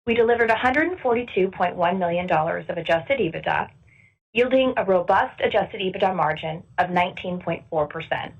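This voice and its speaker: Woman, mid-pitched, raspy, formal scripted finance presentation, businesslike, distant dull conference-call sound. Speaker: company finance executive. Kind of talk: scripted earnings report reading.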